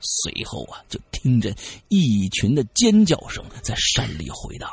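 A man telling a spooky story in an animated, dramatic way. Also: mid-range voice, unhurried, slightly rough, faint music behind. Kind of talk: casual spoken ghost story.

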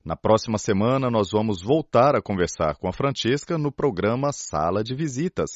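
Male radio host, low-pitched, measured and calm, dry and slightly muffled studio sound. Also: dry recording. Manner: calm, measured, short prompts. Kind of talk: radio interview and closing announcement.

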